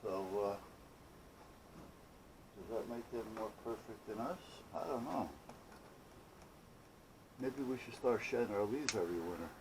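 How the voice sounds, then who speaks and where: A man's voice: lowish voice, lively intonation, unhurried, long pauses, background noise. A man chatting casually through a hands-on workshop project, rambling and muttering to himself with playful asides. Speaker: hobbyist maker hosting own workshop videos.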